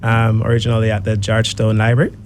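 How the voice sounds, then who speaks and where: A man's voice: lowish voice, monotone, fast, darkish tone, slight background noise. A man, a coach and guest on a radio show, explaining a program in an upbeat way. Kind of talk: radio interview. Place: radio studio.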